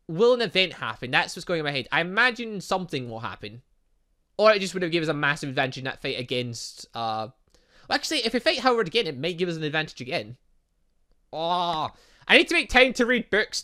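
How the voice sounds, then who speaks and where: This man's voice sits a little high and has a sing-song lilt, moving fairly quickly with a sharp tone. Hosting a gaming channel, he offers casual let's play commentary on a visual novel, reading bits of text, thinking out loud, and murmuring asides to himself.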